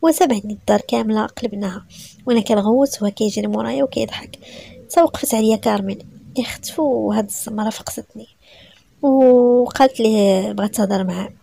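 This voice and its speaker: A woman's voice: on the high side, quick pace, gravelly, mellow, dry recording. A woman with a Moroccan Arabic accent narrating a first-person story in an emotional, breathless way.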